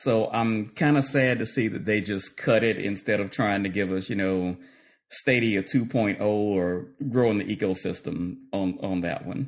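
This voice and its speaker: A man's plain, everyday voice, fairly low in pitch, at a fairly slow pace with ordinary pitch variation, over a quiet background. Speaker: podcast panel guest. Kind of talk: casual chat.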